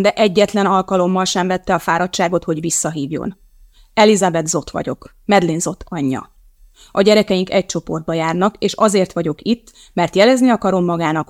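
An audiobook reader voicing a blunt, brisk female chemist and mother who talks in a curt, matter-of-fact way, in a dry recording. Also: medium pitch, no echo, close to an everyday voice. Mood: indignant.

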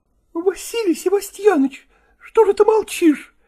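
Brief: male reader putting on a high, indignant young woman, pleading, tearful edge. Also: measured pace, warm tone. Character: wounded mistress, young woman, tearful and defiant. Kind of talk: audiobook reading of a classic novel.

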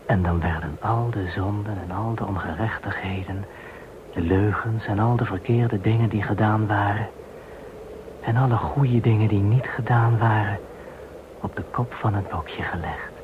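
A man in a radio play acting a devout Jewish man facing deportation, telling things in a solemn, measured way. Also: fairly low pitch, lightly acted. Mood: solemn explaining. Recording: muffled phone-like band, clear hiss.

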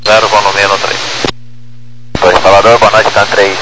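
A man with a Brazilian accent, an airline pilot speaking over the aircraft radio in brisk, clipped readbacks. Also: on the low side, flat delivery. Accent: Brazilian Portuguese. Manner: brisk, formulaic phrasing. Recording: noisy radio transmission with static.

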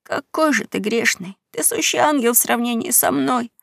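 A frightened boy whispers in the dark, his voice hushed and jumpy, as a woman reads him. It is a storybook telling, recorded close and dry with a gravelly edge. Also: medium pitch, sing-song, moderate pace, no room sound, exaggerated voice. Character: scared boy whispering at night. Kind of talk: audiobook character reading.

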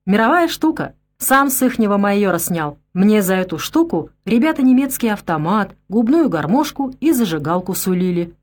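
A woman voicing a skinny teenage boy partisan, shy but bursting with excitement and pride. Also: mid-range voice, moderate pace, hardly any pauses. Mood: excited proud. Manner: excited, proud, tumbling out.

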